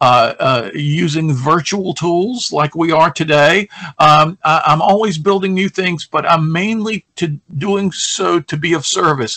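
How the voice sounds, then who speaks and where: A man speaks at a high pitch with a bright, sharp tone. His pace is fairly slow, his pitch varies in an ordinary way, and he hardly pauses. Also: dry, close sound with no echo. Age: 70s. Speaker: former philosophy professor and executive coach. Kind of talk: interview. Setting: video call. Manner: halting, repeats words.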